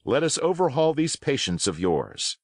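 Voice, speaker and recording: A brisk, hearty middle-aged doctor, as a man puts him on, clear and raised in pitch. The reading is dry and close to the mic. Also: sing-song, dry recording.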